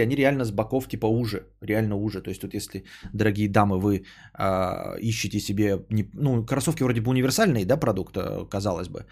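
A man's voice: medium pitch, a little mellow, husky. A man hosting a podcast, chatting casually with his live chat in a rambling, profane, worked-up way.

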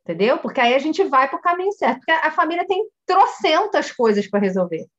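A Brazilian woman, a family coach, teaches by retelling a session in animated storytelling, acting out the dialogue and speaking straight to her listeners. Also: sits high, fairly quick, muffled recording.

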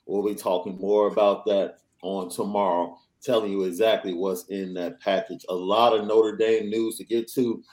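A young adult man hosting a casual sports podcast, reading through news in an energetic, chatty way. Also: on the low side, normal speed, hardly any pauses. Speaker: podcast host.

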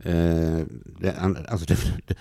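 A man's voice: sits low, flat delivery, dark tone, no room sound, studio quality. A man hosting a podcast quiz, hesitant with many fillers as he reads out the questions. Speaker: quizmaster.

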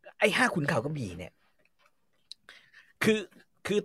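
A man spinning a story in casual chat, slangy and crude, acting out the bits. his pitch sits a bit high and leaps all over, and the tone is bright and forceful in a dry, close sound. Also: measured pace, slightly rough, no echo. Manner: animated, crude slang, acts out quotes. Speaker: storyteller host.

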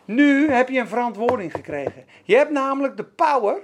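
A man preaching a sermon, animated, swinging between loud exhortation and soft prayer-like passages. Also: very high voice, fairly quick, noisy background. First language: Dutch.

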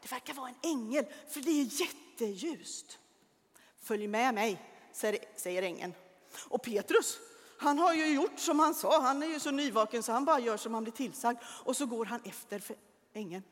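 A woman with a high, bright-sitting voice tells a Bible story to children, animated and dramatic. Her words ring out with a long reverb, as in a large church hall.

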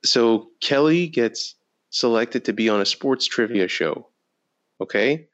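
Brief: male podcast co-host, animated storyteller, mid pitch, slightly dull recording. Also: slow pace. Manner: animated storyteller, laughs often. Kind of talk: casual sports chat.

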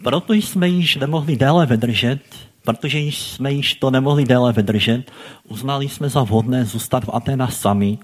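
A man's voice: mid-range voice, husky. A man preaching a sermon in a conversational way, often putting questions to the congregation and repeating his phrases.

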